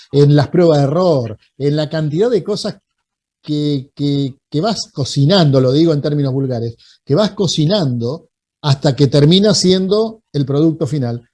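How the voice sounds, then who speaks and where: A man with a Rioplatense Spanish accent leads a relaxed interview and builds his thoughts in reflective lists. His voice is warm and mellow, and it sits a little high for a man. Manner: reflective, thinks aloud in lists. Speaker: host. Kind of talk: casual interview chat.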